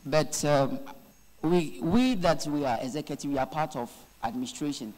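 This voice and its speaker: A man's voice: a little high, a little mellow. Young ghanaian guy explaining budget figures, formal, echo of a big hall. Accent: Ghanaian English. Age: young adult. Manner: measured, formal, slightly halting. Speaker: financial secretary. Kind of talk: student parliament address.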